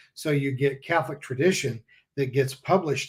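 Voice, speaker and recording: A man's fairly high, somewhat breathy voice at a fairly quick pace, in a very clean recording with a silent background. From US, Kentucky. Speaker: pastor. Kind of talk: interview conversation.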